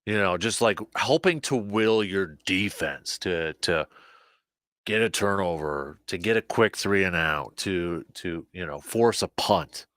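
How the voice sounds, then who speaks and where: Man, sports talk host, low voice, slightly hoarse, animated, dry close sound. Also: a little slow, no echo. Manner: animated, repeats words, restarts sentences. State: slightly hoarse, losing his voice. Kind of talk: casual sports talk show.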